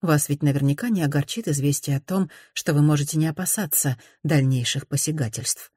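A woman reader voicing a composed young woman who speaks quietly and firmly. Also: low-pitched, husky, dry recording, clean studio sound. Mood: calm firm. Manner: quiet, measured, restrained. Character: composed, proud young woman, firm and calm.

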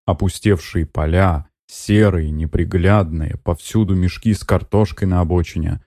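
Low, dark-voiced male narrator. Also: steady tone, moderate pace, no room sound, studio quality. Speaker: audiobook narrator. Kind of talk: scripted narration.

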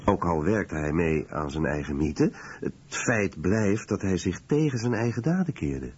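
A man reading a scripted documentary voice-over in a measured, serious way. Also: sits low, big pitch swings, darkish tone, highs cut off, a little hiss or hum.

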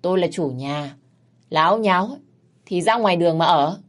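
A woman voicing a young daughter-in-law who talks back sneeringly and defiantly, in a low voice. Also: moderate pace, lightly acted.

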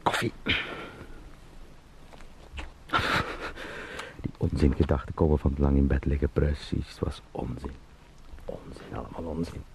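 Deep, gravelly, anxious salesman. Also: fairly even intonation, heavy background noise. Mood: self-persuading. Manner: muttering to himself, repetitive, halting. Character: anxious travelling salesman talking himself out of bed. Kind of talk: radio drama monologue.

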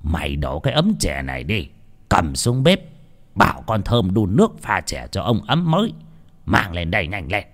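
A man voicing a cruel, greedy old village chief who curses and shouts. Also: low voice, wildly swooping pitch, moderate pace, exaggerated voice. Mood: gruff. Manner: snarling, cursing, shouting.

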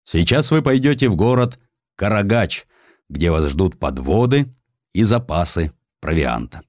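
A man's voice: deep voice, sing-song, measured pace, dry recording, clean studio sound. A man voicing a hardened, proud Cossack warlord in an audiobook, with a weighty, declamatory manner. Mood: calm, resigned.

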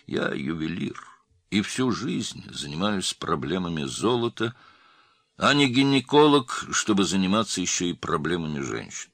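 A man voicing an old male jeweler in his seventies, who speaks slowly and quietly with calm dignity. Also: sits low, no echo, voice pushed up, heavily acted. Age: 70s.

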